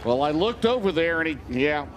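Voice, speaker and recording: High-voiced male motorsport commentator, noisy track. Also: expressive, a little fast. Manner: motorsport commentator delivery in short punchy calls. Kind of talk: live motorsport race commentary. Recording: vehicle noise behind the voice. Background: race cars outdoors.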